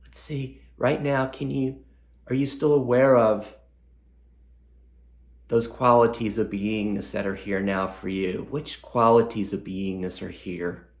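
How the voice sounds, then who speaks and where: Slow, gravelly man guiding meditation. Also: lowish voice, fairly even intonation, echoey room. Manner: slow, soft and unhurried, full of pauses and gentle questions. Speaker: meditation teacher. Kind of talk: guided meditation.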